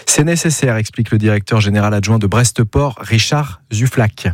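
A man's voice: on the low side, moderate pace, no room sound. Male radio newsreader, dry close sound. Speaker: radio news presenter. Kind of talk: news bulletin reading with informal asides.

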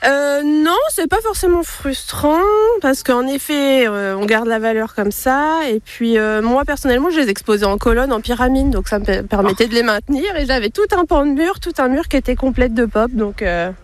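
A woman in her thirties answering questions at her outdoor flea market stall, relaxed and hesitant. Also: high-pitched, moderate pace, dry recording. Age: 30s. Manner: relaxed, laughs easily, hesitant. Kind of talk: casual interview answers.

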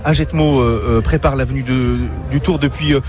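A man's voice: medium pitch, fairly even intonation, moderate pace, music in the background. A man hosting a live radio interview on location, asking questions with many hesitations and fillers. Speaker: radio host.

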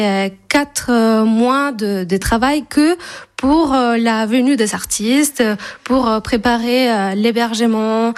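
A woman from Spain in her thirties with a Spanish accent, answering radio interview questions with many fillers and restarts. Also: a little high. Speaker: festival staff guest.

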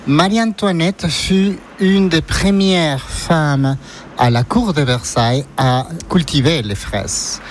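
A middle-aged man speaks with a clear Ecuadorian Spanish accent, earnest and openly enthusiastic. He is interviewed inside an ice cream shop, a faint hum of the room behind him. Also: fairly high pitch, slow pace. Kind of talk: radio interview on location.

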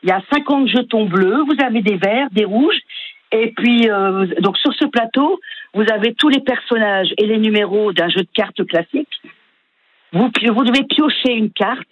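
An older woman from northern France with a northern French accent, calling in to a radio show, friendly and hesitant with many pauses. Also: fairly high pitch, no room sound, lo-fi sound. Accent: northern French (Flemish area). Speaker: caller.

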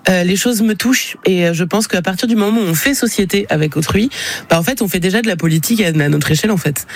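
A woman's voice: on the low side, fast. A woman of about forty, a singer, answering radio interview questions frankly and animatedly, with many fillers and restarts. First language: French.

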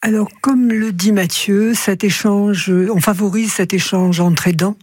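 A woman psychologist talks slowly on a radio program. Her voice is a little husky and the sound is dry and close. She hesitates, filling gaps and restarting her phrases. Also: mid-range voice, fairly even intonation, a little mellow, dry recording. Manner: hesitant, many fillers and restarts. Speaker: psychologist at caregiver respite group. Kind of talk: radio interview guest.

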